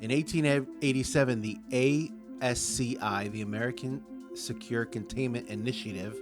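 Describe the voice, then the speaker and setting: A man hosting a podcast, casually reading a document aloud, tripping over words and laughing along. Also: mid-range voice. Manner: reads haltingly, stumbles over words, laughs often. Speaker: podcast host.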